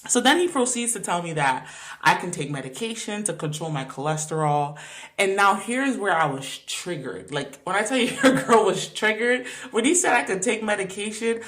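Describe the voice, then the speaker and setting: A woman's voice: medium pitch, fairly bright tone. A woman in her twenties hosting a podcast, telling a personal story in an emphatic, slangy way with frequent laughter. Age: 20s. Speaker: podcast host.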